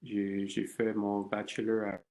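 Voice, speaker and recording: Gravelly low-voiced Canadian man. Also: completely flat delivery, measured pace, darkish tone, rough recording. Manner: hesitant, many fillers and restarts. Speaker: research scientist guest. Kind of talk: interview answers.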